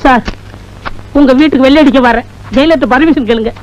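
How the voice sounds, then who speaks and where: An actor playing a cheeky male prisoner who whitewashes houses, talking in a flattering, wheedling way in a film comedy. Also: extremely high pitch, quick pace, a little hiss or hum, poor audio.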